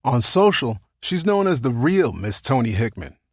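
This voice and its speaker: A man's voice: mid-range voice, big pitch swings, moderate pace, husky, no echo, studio quality. A man hosting and producing a podcast, talking casually and playfully with slang and easy laughter, with stretches of scripted narration. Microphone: remote video call.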